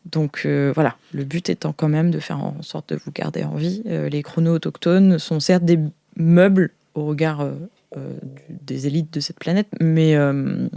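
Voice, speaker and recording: A woman's voice: low-pitched, little pitch movement, vocal fry, warm tone, dry recording. Woman acting flustered lady guide in an improv audio rpg, keeps fumbling for words, dry sound. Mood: awkward explaining. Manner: hesitant, halting, searching for words. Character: woman guide nicknamed Minette, flustered, explanatory insider helping captives. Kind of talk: improvised audio role-play.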